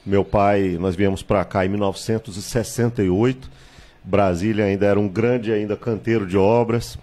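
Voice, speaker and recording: A man, a candidate recounting his life in a studio interview, measured and reminiscing, with hesitations and tag questions, on a handheld mic. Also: lowish voice, steady tone, warm tone. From Salvador, Bahia, Brazil. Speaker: political candidate, guest. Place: small TV studio with virtual set.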